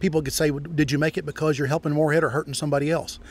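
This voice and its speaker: This man speaks with a fairly high pitch. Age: 60s. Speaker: former college athletics staffer and golf rules official. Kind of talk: interview. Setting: outdoors at golf outing.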